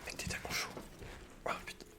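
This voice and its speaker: A man's voice: fast talker, sharp tone. A man doing casual, slangy ASMR gaming commentary as the host, swearing now and then.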